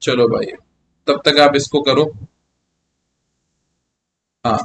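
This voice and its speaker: Slow and steady, this mid-range male voice carries some vocal fry, with a little hiss or hum underneath. He's teaching maths live online, chatting and encouraging his students while often checking comprehension with "yes or no?"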